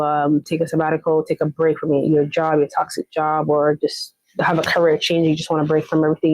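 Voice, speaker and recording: Woman, live chat host, motivational and chatty, low-set voice, dry close sound. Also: darkish tone, no echo, poor audio. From Jamaica. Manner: encouraging, repeats herself, often checks in with okay.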